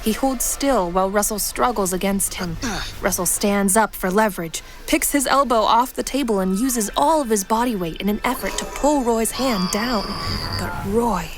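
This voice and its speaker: A woman's voice: mid-range voice, moderate pace. Woman narrator over a music bed. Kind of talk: scripted story narration, present tense.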